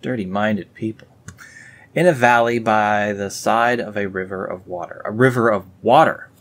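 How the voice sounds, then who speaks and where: A man's voice: on the low side, steady tone, moderate pace, a bit bright. A man reading a religious text aloud and breaking off for dry, sarcastic comments in a casual tone. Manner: sarcastic, dry asides after solemn read-aloud passages. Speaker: video host reading scripture aloud. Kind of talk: casual read-along with sarcastic asides.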